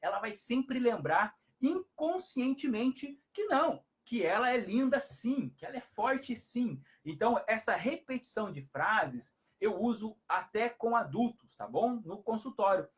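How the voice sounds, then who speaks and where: A man's voice: high voice, sing-song, a little slow, hardly any pauses. A man, a hypnotherapist giving parenting advice on a live stream, who explains things repetitively and often adds tag questions.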